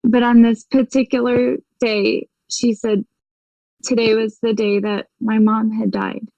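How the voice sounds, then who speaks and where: Animated woman storyteller, slightly high voice. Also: measured pace, dry recording, rough recording. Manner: vivid storyteller, acts out quoted dialogue, laughs often. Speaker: medium, interview guest.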